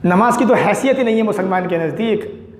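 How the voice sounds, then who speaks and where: High-voiced preacher in an echoey hall. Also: male voice, brisk. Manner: urgent, rhetorical, chanting lists of sins. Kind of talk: fiery sermon.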